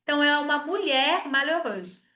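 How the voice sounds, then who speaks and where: A high-voiced woman from Espírito Santo teaches French in a Brazilian Portuguese accent, coaxing her students to repeat after her. She slows right down to model each French word. Her voice rings in a roomy, echoing space. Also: lively intonation, pushed and bright, dull audio. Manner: explains patiently, coaxes viewers to repeat sounds; models French words slowly. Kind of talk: online language lesson.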